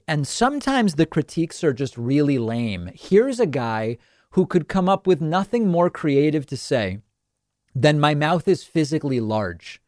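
A man hosting a political talk show, delivering brisk and sarcastic commentary in a mid-range voice. He is close to a studio microphone, and the sound is dry with almost no room echo. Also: mid-range voice, a little mellow. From northern United States.

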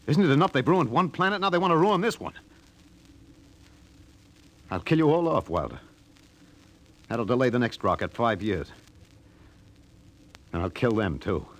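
An actor playing a rebellious, disillusioned space crewman, intense and brooding, in a 1950s radio drama style. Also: fairly low pitch. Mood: angry, impassioned, then cold, determined. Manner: intense, brooding, halting at times. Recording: noisy vintage 1950 radio recording.

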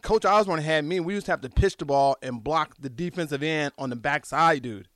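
A man's voice: fairly high pitch, fairly quick, no room sound. Middle-aged man reminiscing, dry close sound. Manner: animated storytelling, repeats phrases, says "dude" often. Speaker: former college football quarterback, show guest. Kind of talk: casual sports chat, reminiscing.

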